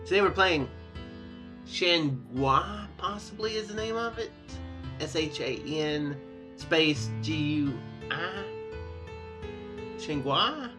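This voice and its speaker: Over music, a man hosts a Let's Play gaming series in a casual way, chatting and reading story text aloud. His fairly high voice is animated, but he takes it slowly with long pauses, rambling, hesitating and correcting himself.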